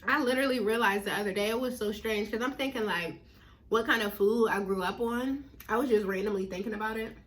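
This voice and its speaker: A woman from the northern United States with an American accent, chatting casually to viewers as a mukbang host, chewing while talking and pausing to eat. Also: fairly high pitch, rough recording.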